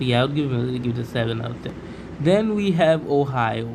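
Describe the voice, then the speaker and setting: A man's voice, with ordinary pitch variation, carries audible room echo and noticeable background noise. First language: not English. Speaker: YouTuber. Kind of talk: casual ranking commentary. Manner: hesitant, many fillers.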